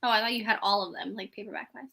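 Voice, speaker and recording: A woman's voice: medium pitch, fairly even intonation, rapid-fire, gravelly, sharp tone. A woman chatting casually about books as a fellow panelist on a readalong.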